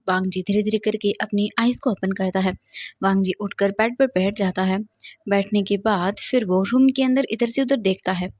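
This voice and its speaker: A young woman retelling her own fan story aloud in a plain storytelling manner, often pausing on fillers. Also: mid-range voice, no room sound. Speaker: fanfiction narrator.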